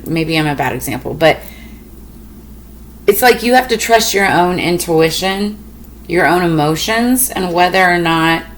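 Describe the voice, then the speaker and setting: Woman, thirties, tarot vlogger; lowish pitch, chatty and frank, faint hiss behind. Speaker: tarot reader. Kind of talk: casual storytelling to camera.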